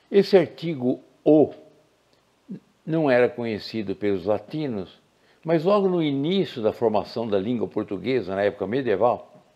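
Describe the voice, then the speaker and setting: An older man from Brazil teaching Portuguese grammar in a recorded lecture, deliberate and didactic, stressing key words. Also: mid-range voice, dull audio.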